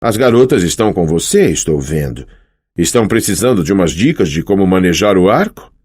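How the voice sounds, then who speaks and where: A man's voice: deep voice, big pitch swings, a little fast, darkish tone, slightly rough, exaggerated voice. A man reading an audiobook, voicing a boastful, teasing young male sun god in a raised, showy voice. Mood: playful boastful. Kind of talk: audiobook character voice.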